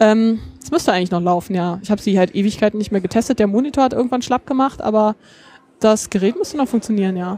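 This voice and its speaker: A woman rushes along very fast in a fairly high voice, her pitch varying in an ordinary way. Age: 20s. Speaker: university lab staff member. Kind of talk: casual chat. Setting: walking through a museum.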